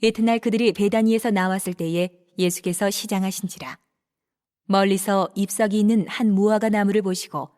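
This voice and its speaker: Measured woman narrator, medium pitch. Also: a little mellow. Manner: measured, formal read delivery. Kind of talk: scripted scripture narration.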